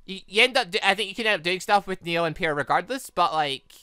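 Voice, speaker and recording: A gaming host giving casual, rambling commentary in an excitable, conversational way. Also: medium pitch, fast, smooth, no room sound, clean studio sound.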